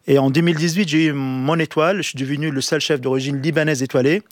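A man's voice: on the high side, steady tone, no room sound, clean studio sound. A middle-aged man from Lebanon, a chef, telling his story in a radio interview, stopping and repeating words often. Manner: halting, repeats words, many fillers. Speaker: chef, studio guest.

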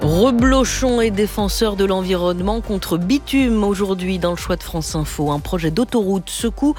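A woman radio news presenter giving scripted introductions in a crisp way. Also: medium pitch, expressive, moderate pace, darkish tone, faint music behind.

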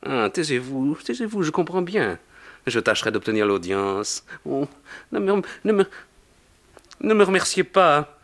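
A man's voice: very animated, a little slow, fairly bright tone, full character voice. A man voicing an elderly, kindly but fussy pope who chatters and teases a visitor in a storybook reading. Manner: chatty, theatrical, swooping pitch. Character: old pope, benevolent, fussy and teasing.

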